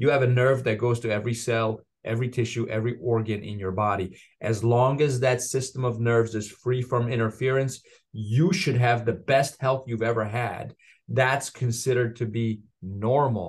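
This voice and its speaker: Over a quiet background, a man talks at a moderate pace and medium pitch, somewhat breathy, with fairly even intonation. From Iran. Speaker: chiropractor and author. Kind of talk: interview.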